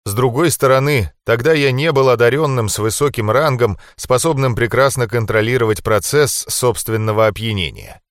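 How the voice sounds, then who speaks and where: Male audiobook narrator, calm and measured, mid pitch, dry close recording. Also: dry recording. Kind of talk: first-person audiobook narration.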